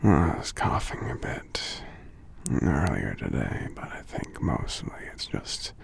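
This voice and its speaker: Casting: male actor for tender, under-the-weather giant boyfriend, ASMR roleplay. Congested, heavily creaky voice, widely swooping intonation, soft and affectionate. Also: very deep voice, sing-song, full character voice. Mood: wry, drowsy. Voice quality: congested, stuffy, breathy half-whisper. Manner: soft, unhurried, murmuring hums between phrases. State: congested from a cold. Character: gentle sick male giant, tender romantic partner.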